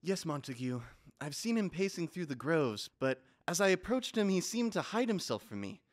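A man acting an earnest high school boy who plays a part in a stage play, in a comedic audio drama. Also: very animated, normal speed. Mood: earnest, reciting. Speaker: actor.

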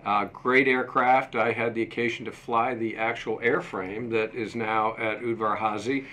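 A man in his sixties answering interview questions in a measured, halting way, pausing as he goes. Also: mid-range voice, fairly even intonation, sharp tone. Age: 60s. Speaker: interview guest, museum deputy director and former airport manager. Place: small indoor office set. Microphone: desktop microphone shared at a table.

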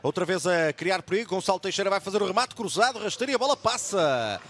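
Male football commentator, European Portuguese accent, fast dramatic delivery, very lively high pitch, excited drawn-out calls. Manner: excited drawn-out shouts on goals. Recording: stadium crowd noise behind the voice. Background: stadium ambience.

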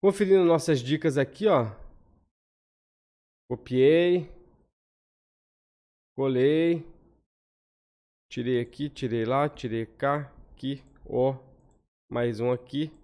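A man in his thirties with a Brazilian accent, walking through lottery statistics on a spreadsheet in a casual, quick style and often ending phrases with a questioning "tá?". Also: medium pitch, dark tone. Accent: Brazilian Portuguese. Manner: quick, conversational, frequent "tá?" tag questions. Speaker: lottery analysis host. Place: home room, on webcam over screen share.

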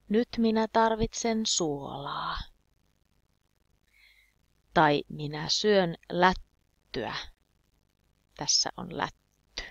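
A woman teaching a beginner language lesson, speaking deliberately and repeating simple example phrases. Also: deep voice, vocal fry, no echo, muffled recording.

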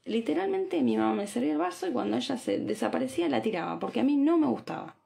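A woman in her thirties from Argentina with an Argentine accent, giving a chatty, animated live talk to viewers about diet and habits, often checking in with tag questions. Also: fairly high pitch, fast, creaky. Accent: Argentine Spanish. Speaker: Ayurveda doctor. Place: small bright room indoors. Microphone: phone camera at arm's length.

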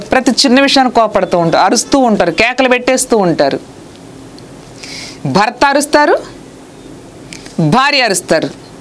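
A woman's voice: on the high side, slight background noise. Earnest woman preacher scolding her flock. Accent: Telugu. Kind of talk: sermon.

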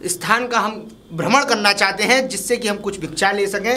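A man's voice: high voice, brisk, sharp tone. A man acting a scheming fake holy man who steals a child in a village crime drama, with a sly, sing-song chanting manner. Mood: pious. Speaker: fake baba. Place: outdoors in a village.

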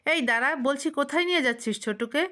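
A woman voicing a panicked young man who yells urgently in an audio love story. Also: high voice, quick pace, voice pushed up. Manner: yelling, breathless, urgent.

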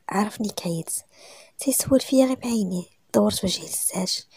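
Hushed, gravelly Moroccan woman storyteller. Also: mid-range voice, no room sound. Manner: often drops to a hushed whisper. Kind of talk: first-person romance story narration.

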